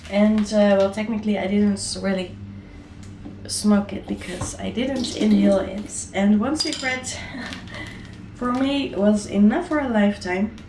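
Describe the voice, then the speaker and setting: Raspy-voiced Dutch mom vlogging at home. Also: female voice, medium pitch, measured pace, a little mellow, roomy sound, slight background noise, low-quality recording. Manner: chatty, with many fillers and restarts. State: raspy from a sore throat. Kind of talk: casual home vlog. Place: apartment kitchen.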